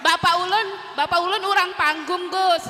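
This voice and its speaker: A woman from Central Kalimantan, an audience member talking haltingly and repeating herself. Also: very high-pitched, steady tone, bright, forceful tone. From Central Kalimantan, Indonesia. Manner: halting, repeats words, searches for names. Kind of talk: casual chat. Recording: roomy hall reverb with faint noise.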